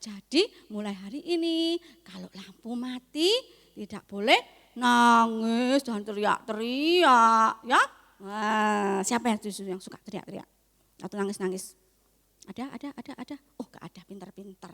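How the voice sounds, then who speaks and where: A young woman teaching a Sunday school lesson, coaxing and lively with the children. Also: fairly high pitch, a little slow. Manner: lively, coaxing, talks to kids. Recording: echoey hall.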